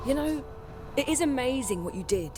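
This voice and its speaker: A woman's voice: high-pitched, animated, moderate pace, background noise. A woman playing a friendly, teasing warrior comrade in a video game. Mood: supportive. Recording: music behind the voice.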